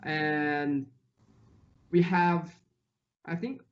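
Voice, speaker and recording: Brazilian man, slow and easygoing. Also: fairly high pitch, steady tone, muffled recording. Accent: Brazilian Portuguese. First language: Portuguese. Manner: easygoing, listing foods with Portuguese words. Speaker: guest, English teacher. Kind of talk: casual interview chat.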